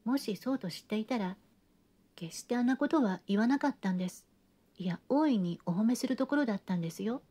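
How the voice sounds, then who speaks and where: A woman reading an audiobook, voicing a calm, courteous young man whose politeness hides mockery. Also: on the high side, brisk. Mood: ironic. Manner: smooth, courteous, ironic. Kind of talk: audiobook reading of a classic novel.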